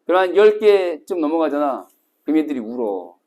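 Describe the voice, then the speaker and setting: Animated man lecturing a class. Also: a little high, fairly quick. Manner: lively storytelling, acting out scenes with sudden shouts. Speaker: cram school Korean language teacher. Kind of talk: classroom lecture to exam retakers.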